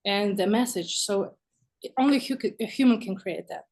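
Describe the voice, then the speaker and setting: A woman who is not a native English speaker, talking casually and haltingly as a guest artist in an interview. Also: medium pitch, darkish tone.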